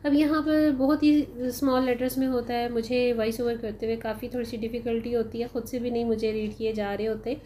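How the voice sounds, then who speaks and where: In this relaxed voice-over of a sale haul, a woman who vlogs about shopping chats at an unhurried pace, often saying "uh" and addressing her audience as "janab" and "bhai." Her pitch is fairly high but barely moves, her tone is dark, and a faint hiss or hum runs underneath.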